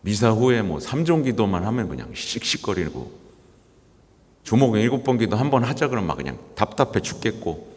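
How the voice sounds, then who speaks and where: Man, catholic priest, homily, animated, reverberant church. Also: mid-range voice. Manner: lively, conversational preaching with mimicked quotes. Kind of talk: weekday homily.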